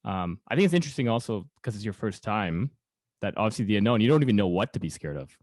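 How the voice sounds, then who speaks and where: A man's voice: lowish voice, very animated, fast, a little mellow, dry recording, studio quality. A man hosting a podcast interview in a casual, chatty way. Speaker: podcast host.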